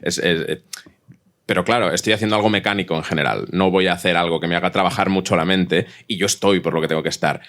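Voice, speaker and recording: A man's voice: low voice, steady tone, fast talker, a bit bright. A man from Catalonia chatting in colloquial, slangy speech on a panel of writers. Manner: colloquial, slangy, acts out quotes. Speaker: audio fiction writer, panelist. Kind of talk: casual chat, anecdotes. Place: live panel event with several speakers.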